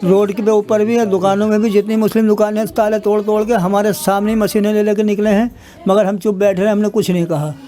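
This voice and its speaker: A man's voice: sits high, little pitch movement, fast talker, warm tone. A man, interviewed in the street, giving an urgent, rambling account. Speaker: riot victim interviewee.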